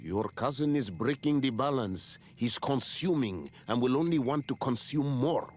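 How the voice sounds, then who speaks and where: An actor playing a wise, dignified island tribal leader in a video game, speaking solemnly and with ceremony. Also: male voice, mid-range voice, expressive, normal speed, a little mellow, slight background noise, close to an everyday voice. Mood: troubled. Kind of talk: dramatic video game dialogue.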